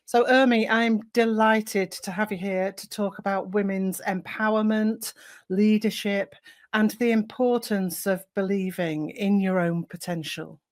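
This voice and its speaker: A woman's voice: medium pitch, steady tone, measured pace. Woman hosting an interview podcast. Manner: warm, encouraging questions. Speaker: podcast host.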